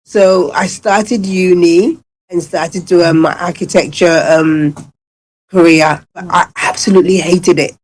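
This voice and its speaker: A woman's voice: fairly low pitch, steady tone, a little slow, low-quality recording. A woman in her fifties, originally from Ghana, talking as a guest in a casual radio interview and telling her story at length with many fillers. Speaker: guest, salon owner.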